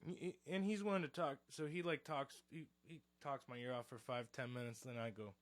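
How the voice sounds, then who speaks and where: A man co-hosting a podcast, telling a story in casual chat, animated and profane, acting out the quotes. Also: mid-range voice, a little fast, no room sound. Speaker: podcast co-host.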